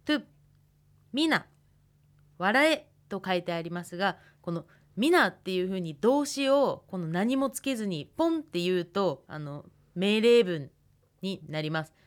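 A woman, teaching a radio language lesson patiently and pausing to think aloud. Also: mid-range voice, expressive. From Hokkaido, Japan. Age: 20s. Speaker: language instructor.

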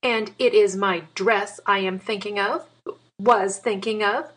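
A man reading a story, voicing a proud, quick-tempered grown woman in a raised voice with a sharp, scolding manner. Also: sits high, fairly even intonation, pitched above the performer's own voice. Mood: indignant.

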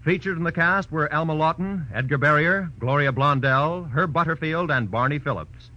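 A man's voice: on the high side, normal speed. An American man announcing a scripted network radio broadcast in 1940s style, formal, polished and promotional. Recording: muffled old radio broadcast.

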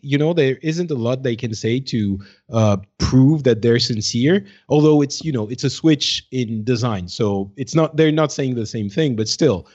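A man co-hosting a gaming podcast, explaining in a casual, somewhat halting way on a slightly dull recording. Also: medium pitch, darkish tone. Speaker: podcast co-host.

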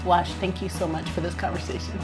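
A woman interviewing a guest, responsive and expressive. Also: lowish voice, a little fast, music in the background.

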